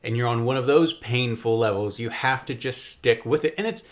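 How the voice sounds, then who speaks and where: Man, mid-pitched voice, podcast host, casual gaming chat, rambling storyteller. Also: moderate pace.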